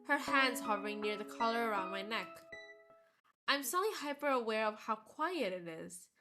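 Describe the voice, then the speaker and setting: Female streamer, fairly high voice, expressive visual-novel narration, music behind. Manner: expressive storytelling. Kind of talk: reading a visual novel aloud, dramatic narration.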